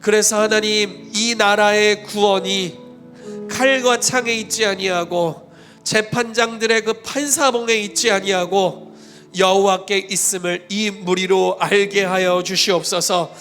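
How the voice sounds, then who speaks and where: A man's voice: high voice, fairly even intonation, measured pace. A man leading fervent congregational prayer as pastor, praying aloud with passion and at times breaking into tongues. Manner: loud impassioned praying, speaking in tongues. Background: guitar music.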